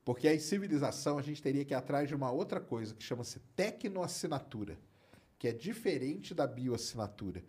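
A man with a Brazilian Portuguese accent, explaining space science in a relaxed, chatty way while he answers viewer questions. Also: mid-range voice, fairly quick, breathy edge. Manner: relaxed, explanatory, tags phrases with "né" and "cara". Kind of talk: casual live-stream chat.

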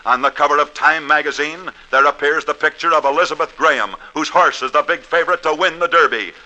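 A man narrates scripted sports tales in a dramatic, declamatory manner, like a host of a 1940s radio show. His voice is very bright and ringing, and sits a little high. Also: fairly quick, lo-fi sound.

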